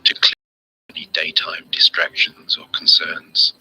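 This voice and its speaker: A man with a very deep voice narrates a guided sleep hypnosis script. His delivery is soft, breathy and soothing, with measured pauses between phrases. The tone has a very bright, sibilant edge, and music plays faintly behind him. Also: completely flat delivery, poor audio. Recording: music bed under the voice.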